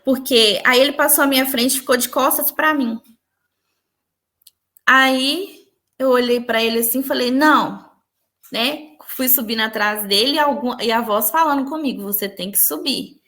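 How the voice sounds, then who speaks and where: Young woman, high-pitched and soft-spoken, giving an earnest personal testimony as an interview guest. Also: moderate pace. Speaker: interviewee recounting a spiritual experience.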